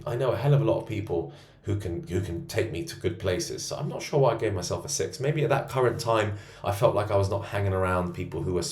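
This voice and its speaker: A low-pitched man who coaches men on bettering themselves gives a boastful, self-assured monologue, scoring himself aloud. He records in a co-working space, and the sound has a roomy echo.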